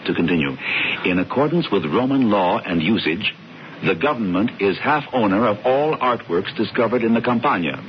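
An actor in a radio drama playing an American man who reads the newspaper aloud to his brother in a measured, mock-formal and dryly amused way. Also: fairly low pitch, lively intonation, close to an everyday voice. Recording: dull, noisy vintage radio broadcast.

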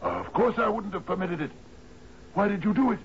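An actor playing a grief-stricken sea captain in a 1970s radio drama, halting and repeating his words in disbelief. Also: high-pitched, wildly swooping pitch, heavily acted. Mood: shocked, anguished. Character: grief-stricken male sea captain, devoted widower, anguished and commanding. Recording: dull noisy vintage radio broadcast.

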